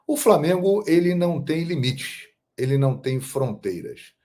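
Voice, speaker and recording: A man from Brazil hosting a football channel, telling stories in a measured, emphatic monologue. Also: a little high, very animated, dark tone. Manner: measured, storytelling, emphatic on key phrases. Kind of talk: casual monologue to camera.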